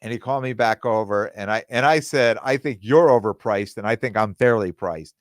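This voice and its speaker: A man hosting his own podcast in casual, rambling talk, with plenty of fillers and restarts, and his voice going hoarse. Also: lowish voice, fairly quick, no echo, clean studio sound. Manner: quotes other people in dialogue. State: losing his voice. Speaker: podcast host.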